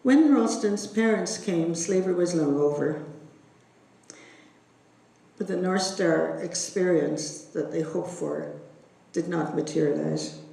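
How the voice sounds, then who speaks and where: A woman introducing a speaker at a ceremony with slow, measured storytelling. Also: fairly low pitch, vocal fry, warm tone. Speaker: event emcee introducing a speaker. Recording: echoey hall, distant microphone.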